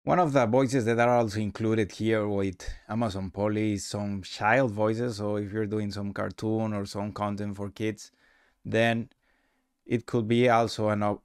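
A man narrating a casual software tutorial with halting, rambling phrasing. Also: on the low side, fairly even intonation, smooth, no room sound, studio quality. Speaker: presenter of a software demo.

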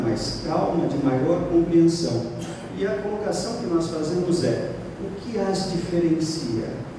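A middle-aged man with a Brazilian Portuguese accent, giving a spiritist lecture in a measured way and rising in pitch on key points. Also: background noise. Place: lecture room at a spiritist center. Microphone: stand mic, filmed from across the room. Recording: echoey hall from far off.

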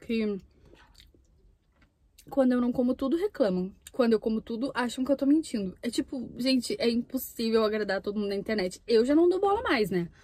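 Sitting in a parked car with the camera on the dashboard, a young woman from Brazil films a mukbang, chatting casually between bites. Her fairly high, darkish voice is expressive and fairly quick.

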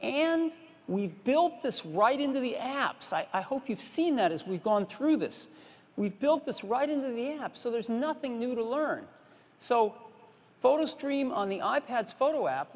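A man's voice: very high voice, lively intonation, a little slow. A man presenting a product keynote on a large stage, explaining features in a plain, repetitive, emphatic way. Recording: reverberant conference hall.

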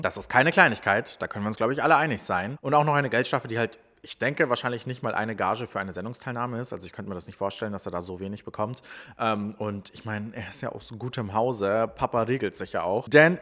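A young man talks through celebrity news in a casual, chatty way. His tone is often sarcastic, and he fills his speech with little hesitations. His voice sits at an ordinary middle pitch. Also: fairly bright tone. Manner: chatty, sarcastic, lots of fillers. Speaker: commentary YouTuber.

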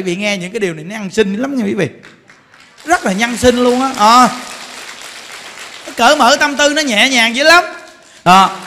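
A man's voice: sits high, pushed and bright, a little hiss or hum. A man with a Southern Vietnamese accent, a Buddhist monk preaching a folksy sermon to lay followers and often asking them rhetorical questions. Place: temple hall.

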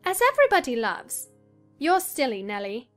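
A woman's voice: high-pitched, huge pitch swings, moderate pace, soft background music. A woman playing an impetuous, peevish young lady in a dramatised reading of a classic novel, speaking emphatically. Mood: ardent, indignant. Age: young adult. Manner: emphatic, petulant.

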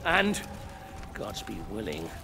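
An actor playing a resolute Roman military commander in a video game, measured, urgent and commanding. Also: male voice, on the low side, wildly swooping pitch, gravelly, noisy background, exaggerated voice. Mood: commanding urgency. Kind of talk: dramatic video game acting.

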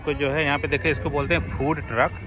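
A man's voice: fairly high pitch, level tone, fast, over music, rough recording. A middle-aged man with an Indian accent giving casual, explanatory vlog commentary, mixing in English exclamations. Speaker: vlogger, father showing his outing. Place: outdoor parking lot at a public event. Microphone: phone at arm's length.

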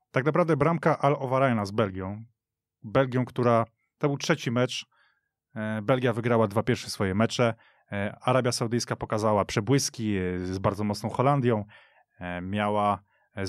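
A man on a radio football show, telling football history in an animated way with firm verdicts, speaking in a studio. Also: fairly low pitch, normal speed, no echo. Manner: animated storytelling with emphatic verdicts. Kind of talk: studio podcast discussion.

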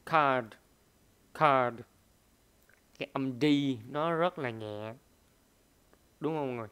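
A man's voice: mid-range voice, normal speed, clean tone. A man teaching a pronunciation lesson. He hesitates often, uses many fillers, and repeats each word several times to demonstrate it.

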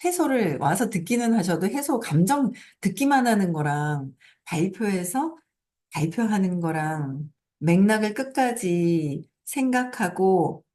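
A middle-aged woman talks casually as the host of her own show, sharing stories and advice in a loose, chatty way. Her voice sits on the low side for a woman, and she laughs easily as she goes. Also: mellow. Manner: chatty storytelling, frequent laughs. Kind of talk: casual motivational talk.

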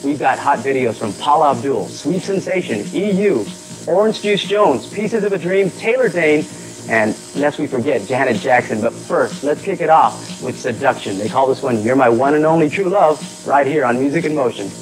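A young man hosting a music video show, with punchy, energetic announcer patter from a studio set. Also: medium pitch, normal speed, rough recording. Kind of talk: upbeat TV presenter patter. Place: TV studio set, seated in director's chair.

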